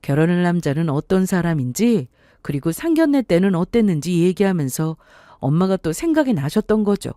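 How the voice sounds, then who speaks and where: A woman narrating a scripted first-person story in a calm, even, reflective way. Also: fairly low pitch, brisk, no echo, studio quality.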